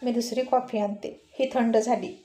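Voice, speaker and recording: A woman's voice: high voice, brisk, dark tone, reverberant, lightly acted. Woman voicing shy young wife. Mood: bashful. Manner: bashful.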